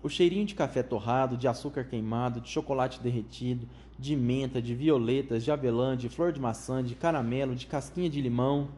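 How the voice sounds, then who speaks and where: A man's voice: mid-range voice, fairly quick, few pauses, dark tone. Man narrating a storybook. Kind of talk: reading a children's book aloud.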